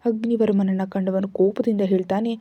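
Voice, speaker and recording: A woman narrating a scripted story in a steady, even reading. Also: medium pitch, brisk, no room sound. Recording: dull lo-fi recording.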